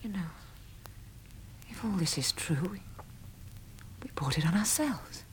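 An actress playing an anxious, fragile catastrophe survivor in a 1960s radio drama, hesitant and pleading. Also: female voice, fairly high pitch, expressive, moderate pace, natural voice. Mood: uneasy, dismayed. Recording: noisy old radio drama recording.

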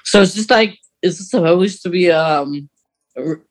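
A male podcast host speaks in a fairly high register. He talks casually, feeling his way through explanations in a conversational, halting manner. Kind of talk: casual chat discussing a story.

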